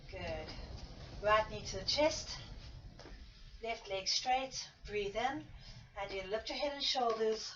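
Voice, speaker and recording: Echoey, distant woman leading a slow-paced workout. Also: medium pitch, a bit bright. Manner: short step-by-step cues and counts. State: audible exertion while demonstrating. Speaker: exercise class instructor. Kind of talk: spoken workout instruction with counting. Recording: echoey room, distant mic, muffled, faint noise.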